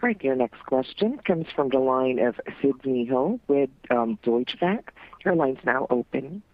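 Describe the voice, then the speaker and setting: A man's voice: mid-range voice, lively intonation, unhurried, dry recording. A man making announcements as a conference call operator. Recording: tinny narrow phone line.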